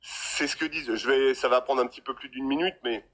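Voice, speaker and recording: A man in his fifties talks in a loose, rambling way. He trips over his words and repeats them while getting a point across. His voice sits at an ordinary middle pitch. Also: fairly even intonation, brisk, fairly bright tone. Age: 50s. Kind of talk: casual talk on a live stream.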